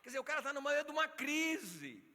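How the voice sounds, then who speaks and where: Male Brazilian pastor, animated sermon delivery, bright voice, swings all over in pitch, long church-hall reverb. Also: fairly quick. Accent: Brazilian Portuguese. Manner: animated preaching, acts out quotes, calls on the congregation. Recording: reverberant church hall, faint music behind.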